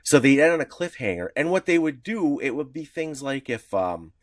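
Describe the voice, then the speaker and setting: A man's voice: mid-range voice, very animated, normal speed, dry recording, studio quality. A man co-hosting a podcast, explaining at length in casual chat with restarts and short laughs. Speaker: podcast co-host.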